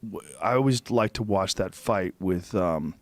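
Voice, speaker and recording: A man's voice: low voice, a little slow, no echo. A middle-aged man hosting a podcast, chatting casually in a blunt, profane, emphatic way. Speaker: podcast host. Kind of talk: casual chat.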